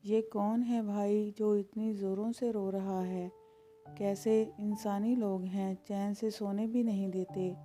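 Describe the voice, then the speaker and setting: A woman's voice: medium pitch, steady tone, takes it slowly, warm tone, soft background music, lightly acted. A woman voicing a grumpy, fussy male ghost in a storybook tale, scolding and squeamish. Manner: scolding, squeamish, sing-song chants. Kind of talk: storybook character voice.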